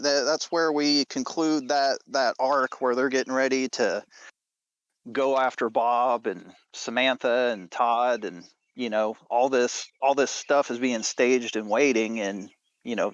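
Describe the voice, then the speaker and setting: A man's voice: mid-range voice, no echo, highs cut off. A man chatting informally about a story, often tossing in rhetorical questions to check the listener follows. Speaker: podcast co-host and show creator. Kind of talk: casual chat about a story's themes.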